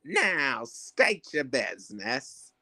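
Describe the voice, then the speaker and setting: A woman's voice: extremely low pitch, wildly swooping pitch, extremely slow, vocal fry, sharp tone, voice pushed down, heavily acted. A woman voicing a fussy, officious male gatekeeper. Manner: officious, pompous.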